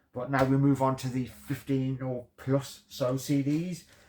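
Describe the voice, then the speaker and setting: Medium in pitch, a man talks with a Birmingham accent. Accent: Brummie. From Birmingham, England. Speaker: music collector vlogger. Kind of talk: casual haul video monologue. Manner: hesitant with fillers.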